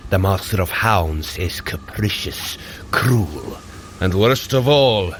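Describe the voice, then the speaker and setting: An actor playing a hearty, noble warrior god in an audio drama, speaking in a grand, earnest, declamatory way. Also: male voice, low-pitched, expressive, takes it slowly, fairly bright tone, a little hiss or hum, exaggerated voice. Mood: wary. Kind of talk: scripted audio drama acting.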